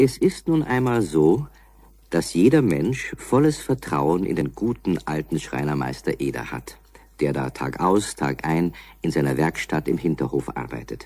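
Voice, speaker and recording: Captured in a very clean recording with a silent background, a man with a very deep, low pitch and a dark, mellow tone speaks fairly slowly with vocal fry and very wide pitch swings. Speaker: narrator. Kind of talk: children's radio play narration.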